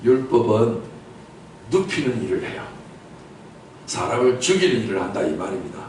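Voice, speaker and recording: A man's voice: mid-range voice, very animated, normal speed. A man preaching a Sunday sermon as pastor, questioning his congregation and repeating key words for emphasis. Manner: rhetorical repetition and sudden loud outbursts. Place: church sanctuary. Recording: echoey church from a distance, faint noise.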